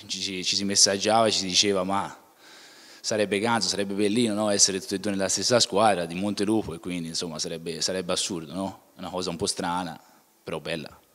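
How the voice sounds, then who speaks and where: A man's voice: deep voice, fairly even intonation, fast talker, a bit bright. A young man, a footballer answering interview questions plainly, often restarting and closing with "ecco". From Tuscany, Italy. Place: indoor club museum room. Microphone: handheld mic. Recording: room with long reverb.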